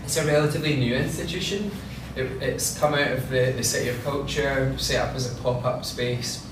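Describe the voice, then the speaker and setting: A man's voice: medium pitch, fairly even intonation. Scottish guy w/ strong accent, informal gallery talk, kinda stop-start, super echoey with background noise. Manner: chatty, halting, often repeats words. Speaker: gallery curator co-presenting an exhibition tour. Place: indoor gallery space. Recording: very echoey room, distant mic, noisy.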